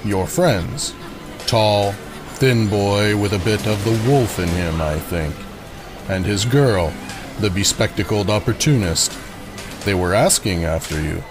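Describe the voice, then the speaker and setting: A man playing a sinister, knowing carnival showman in a dark audio drama, with an ominous, poetic and politely menacing manner. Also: lowish voice, takes it slowly. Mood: ominous, musing. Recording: music under the voice.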